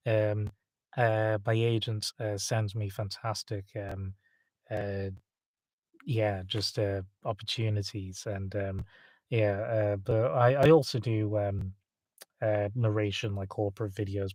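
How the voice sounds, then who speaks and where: A British man with a hint of American in his accent, a voice actor chatting on a live stream, halting with many fillers. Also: lowish voice, no echo. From England. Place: home studio.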